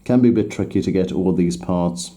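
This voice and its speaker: A man's voice: low-pitched, fairly quick, warm tone. A man whose first language is Swedish, talking through a miniature painting tutorial in English, hesitant and stopping to correct himself as he works. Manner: hesitant, restarts while working.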